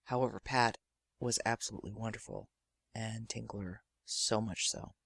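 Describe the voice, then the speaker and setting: A woman's voice: very deep voice, steady tone, moderate pace, creaky, breathy edge, no echo. A woman hosting a podcast, giving an introduction in a theatrical, effusive storytelling manner. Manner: theatrical, effusive, quotes others in acted voices. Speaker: podcast host and audio drama creator.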